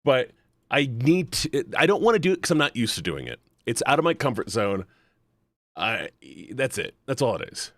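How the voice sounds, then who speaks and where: A man's voice: mid-range voice, sing-song, moderate pace, fairly bright tone, no echo, clean studio sound. A man talking casually on a livestream, rambling earnestly and bluntly and repeating himself for emphasis. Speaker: live streamer.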